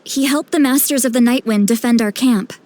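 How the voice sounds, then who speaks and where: A woman playing a self-assured, caring female tribal mentor in an anime-style video game, talking in a measured, frank way. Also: a little high, darkish tone, natural voice. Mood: confident, explanatory. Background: music.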